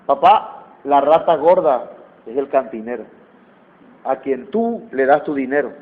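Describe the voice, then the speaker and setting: A man's voice: medium pitch, lively intonation, unhurried, pitched below the performer's own voice, lightly acted. A preacher doing a blunt little boy. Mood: earnest. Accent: Mexican. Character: young boy, blunt and honest with his father. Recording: tinny phone-like sound.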